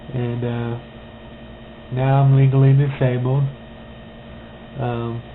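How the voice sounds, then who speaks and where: A man speaks very slowly at a medium pitch, leaving long, frequent pauses in a flat, monotone delivery. Audible room echo and noticeable background noise come through. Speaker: stroke survivor. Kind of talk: personal testimony. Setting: at home. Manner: slightly impeded speech; halting, many fillers.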